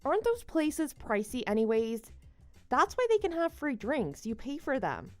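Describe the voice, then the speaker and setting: A woman playing a devoted but slightly needy wife in a scripted online story drama, speaking in an expressive, conversational way. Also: sits high, normal speed, no echo, faint music behind. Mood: doubtful.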